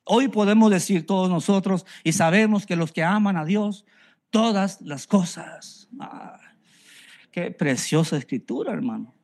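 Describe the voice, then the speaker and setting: A man's voice: high voice, unhurried, a little mellow. A man, preaching a sermon and telling his own story in an earnest way, often repeating phrases for emphasis. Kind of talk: personal testimony sermon.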